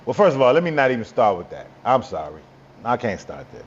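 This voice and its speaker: A man co-hosting a podcast who talks over serious topics in a halting, reflective way, searching for words. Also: medium pitch, big pitch swings, lo-fi sound, a little hiss or hum. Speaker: podcast co-host. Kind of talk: casual political talk.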